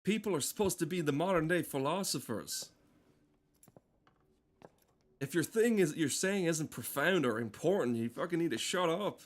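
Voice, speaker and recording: A man's voice: a little high, expressive, brisk. A man rambling casually as a game streamer, swearing often and ranting in a mock-earnest way. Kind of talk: casual rambling livestream commentary.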